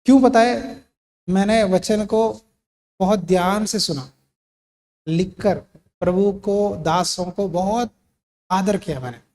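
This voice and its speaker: A man preaching a sermon as pastor, emphatic, with sudden swings from loud to quiet and English words mixed in. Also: high voice, slow, pauses often. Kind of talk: Hindi sermon.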